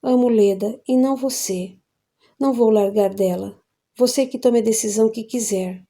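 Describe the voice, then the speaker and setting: A woman's voice: a little high, normal speed, mellow. A woman reading an audiobook, voicing an angry grown son who talks harshly and with irony. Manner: harsh and ironic.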